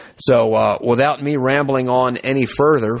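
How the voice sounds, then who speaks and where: Over a quiet background, an unremarkable speaking voice carries a fairly even intonation. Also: man. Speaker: podcast host. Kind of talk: scripted intro and outro narration. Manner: formal, earnest.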